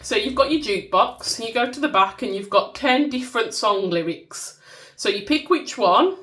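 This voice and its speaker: Speaking at a normal pace, this Black Country woman sounds a bit high, bright, and animated, though clogged with a cold. She runs a small business and shows off the products she made, joking at her own expense and slipping into song.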